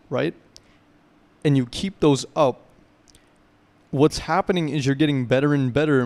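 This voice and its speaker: A man's voice: medium pitch, gravelly, darkish tone. A young man giving a casual self-improvement talk to camera, loose and rambling, often checking in with "right?" and explaining through gaming comparisons.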